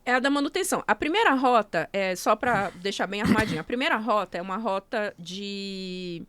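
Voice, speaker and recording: A woman's voice: medium pitch, animated, brisk, a bit bright, no room sound. A woman speaking as a podcast guest, explaining her method one step at a time in a casual interview. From Brazil. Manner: explanatory, walks through steps one by one. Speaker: guest, nutrition coach.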